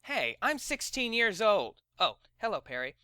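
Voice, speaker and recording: A man's voice: high-pitched, big pitch swings, measured pace, bright, forceful tone, smooth, dry recording, studio quality, heavily acted. A man playing an earnest, mild sixteen-year-old boy in a fantasy comedy audio drama. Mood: indignant, then polite.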